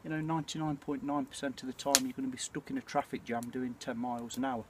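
A British man in his forties chatting casually and reflectively to camera, with a hesitant, throat-clearing delivery. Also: mid-range voice, level tone, fast talker. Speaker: bushcraft vlogger. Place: outdoors at night by a small campfire. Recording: clear ambient noise of an outdoor campfire.

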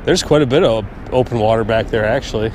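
A man in his thirties hosts a fishing vlog from a small boat on a lake, chatting upbeat and quickly about his gear in a medium-pitched voice. It's recorded on an action camera on the boat, with wind and water noise from outdoors.

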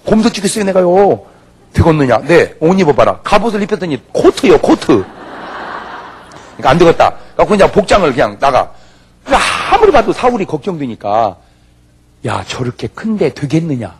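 In this clip a man with a slightly high voice speaks briskly over faint background noise. He's a pastor delivering a funny revival sermon, telling his stories with lots of energy, shouting and acting out the people in them.

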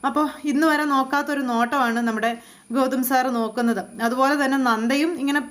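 Fast, high-voiced woman, casual serial-recap narrator, chatty and direct. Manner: chatty and animated, addresses the listener directly. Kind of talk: casual spoken retelling of a TV serial episode.

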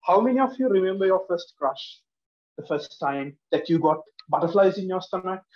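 A young man from Sri Lanka delivers a prepared speech with earnest emphasis, his voice sitting a little high. He is captured from across a room that echoes, and the sound is dull and lo-fi. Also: animated, normal speed. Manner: earnest and emphatic, gesturing with both hands. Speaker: speech contestant. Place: living room at home. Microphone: laptop camera across the room, headphones on.

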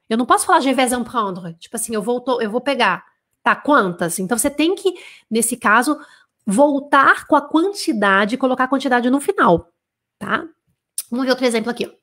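Brazilian woman French teacher, slightly high voice, chatty, drills phrases slowly, keeps checking in. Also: pushed and bright. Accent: Brazilian Portuguese. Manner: casual, checks in with tag questions, slows down to model French phrases. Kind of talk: live online language lesson.

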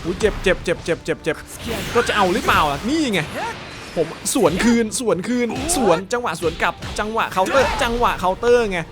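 A man, commentating a fighting game with excitement, yelling and repeating words as he plays. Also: high voice, fairly quick. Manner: animated, yells and repeats words during fights. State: slight sore throat. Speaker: gameplay commentator. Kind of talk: excited Let's Play commentary. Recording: game music playing loudly behind.

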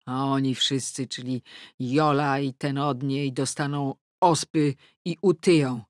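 A woman's voice: very deep voice, steady tone, measured pace, no echo, clean studio sound. A middle-aged woman reading a first-person comic novel aloud, wry and self-mocking, dropping to sulky mutters and rising into exclamations. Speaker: audiobook narrator. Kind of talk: first-person audiobook narration.

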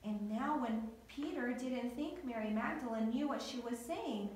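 Slow, high-voiced woman telling a children's story. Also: far from the mic, a little hiss or hum. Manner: slow, expressive, asks the children questions. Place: church. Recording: echoey church hall.

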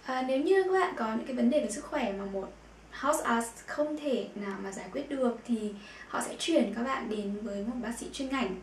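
A woman teaching a language vocabulary lesson. She repeats each word slowly and clearly and often pauses on filler sounds. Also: fairly high pitch, animated, far from the mic. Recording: echoey room with faint background noise.

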